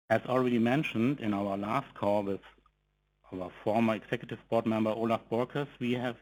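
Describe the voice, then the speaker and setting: A man giving a formal, measured corporate presentation, reading from a script in short phrases as an executive on an investor call. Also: lowish voice, a little mellow, low-quality recording. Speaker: company executive presenting financial results.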